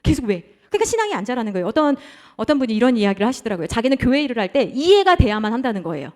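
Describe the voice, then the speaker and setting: A woman's voice: a little high, big pitch swings, very fast, a little mellow. A woman preaching a sermon in a church. She acts out quoted dialogue and keeps asking the congregation questions.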